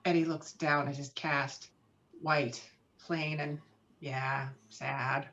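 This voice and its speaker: A woman's voice: deep voice, steady tone, slow, fairly bright tone, dull audio. A woman narrating screenplay stage directions with a dramatic, emphatic read on a video call.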